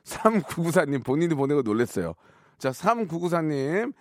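A man hosting a live call-in radio segment, teasing callers with quick banter. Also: fairly high pitch, sing-song, no room sound, clean studio sound. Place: radio studio.

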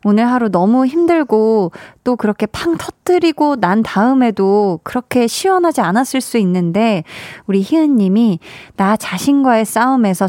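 A woman's voice: on the high side, dark tone, no room sound, studio quality. A woman hosting a late-night radio show, cheerfully reading out listener messages and encouraging them. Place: radio studio. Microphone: studio microphone.

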